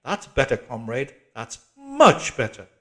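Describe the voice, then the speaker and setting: A man's voice: mid-range voice, huge pitch swings, measured pace, pushed and bright, heavily acted. A man voicing a shrewish, bossy middle-aged woman barking exercise orders and patronising encouragement in an audiobook. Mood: brisk, exhorting. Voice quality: shrewish, strident. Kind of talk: audiobook character voice.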